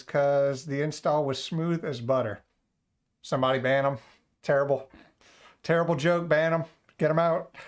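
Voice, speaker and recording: Casual male streamer, joking, rambling, chatting with viewers. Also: mid-range voice. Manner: joking, rambling, talks to chat and cat. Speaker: livestream host. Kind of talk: casual livestream chat.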